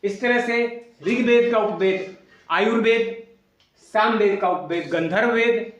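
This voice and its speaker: A man teaching an exam coaching lesson, asking questions and then repeating the answers slowly. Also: sits high, recorded from a distance, lo-fi sound. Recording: echoey room, voice away from mic.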